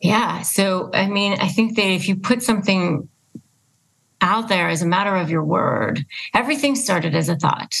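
A woman's voice: lowish voice, moderate pace, gravelly, fairly bright tone, poor audio. A woman hosting a casual conversational interview, speaking emphatically and repeating her points for stress. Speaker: podcast host and interviewer.

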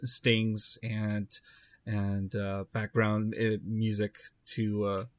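A man who produces audio dramas, talking casually in a halting way with lots of restarts. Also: on the low side, monotone, no room sound. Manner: halting, many restarts and fillers. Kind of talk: casual podcast chat.

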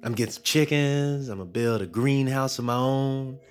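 An actor playing a young enslaved apprentice who is blunt and distrustful. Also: male voice, mid-range voice, moderate pace, smooth, soft background music, lightly acted. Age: young adult. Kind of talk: audio drama.

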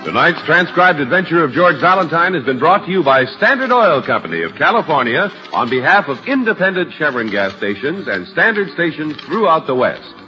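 A man's voice: a little high, big pitch swings, brisk, hardly any pauses, muffled recording. A man speaking as an old-time radio announcer, reading scripted sponsor copy and credits in a formal, emphatic way. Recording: band-limited old radio broadcast with music.

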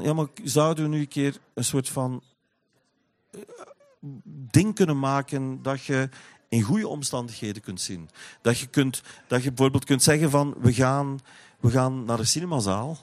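A man's voice: medium pitch, a little mellow. A man with a Flemish accent chatting casually about music, often repeating words as he searches for phrasing. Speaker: interview guest, teacher.

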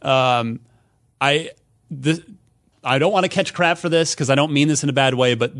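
A man hosting a casual video game news discussion, often repeating words as he thinks out loud. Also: mid-range voice, moderate pace. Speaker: podcast host.

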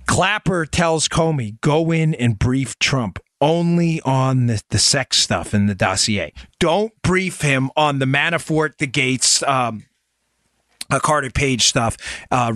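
A man hosts a political talk show, delivering an emphatic, insistent monologue and pelting listeners with rhetorical questions. His voice is mid-range with a fairly bright tone, captured in clean studio sound without any echo.

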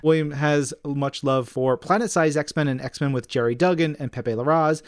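Higher-pitched man hosting an enthusiastic podcast. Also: moderate pace, dry recording. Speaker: podcast co-host. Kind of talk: casual chat and reading listener mail.

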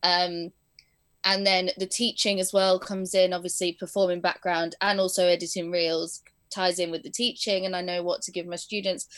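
A woman's voice: lowish voice, little pitch movement, normal speed, fairly bright tone, clean tone. A young woman with an English accent, a guest chatting casually about her work as a performing arts teacher and editor, with fillers and easy laughs. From born in England, raised in southern Spain. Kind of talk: casual interview chat.

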